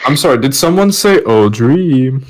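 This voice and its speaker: A man's voice: mid-range voice, animated, moderate pace. A man bantering casually with friends, making bemused quips. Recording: voice call with faint noise.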